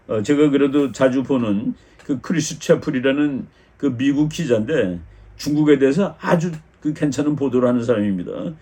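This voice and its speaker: An older man giving a measured lecture on international politics as the channel's host, explaining step by step with frequent small fillers and restarts. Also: medium pitch, mellow, slightly rough.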